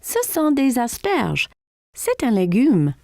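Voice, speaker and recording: A woman's voice: fairly high pitch, huge pitch swings, takes it slowly, gravelly, darkish tone, faint music behind, heavily acted. A woman voicing a patient, encouraging mother who explains things simply in a French-dubbed children's cartoon. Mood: explaining.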